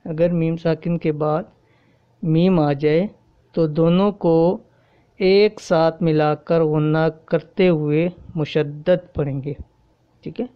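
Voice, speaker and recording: A woman's voice: low voice, smooth, muffled recording. A woman teaching Quran recitation rules. She explains patiently, repeats each point, and asks "okay?" to check that her students follow. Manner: recites the Arabic examples slowly and drawn out. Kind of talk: explanatory tajweed lesson.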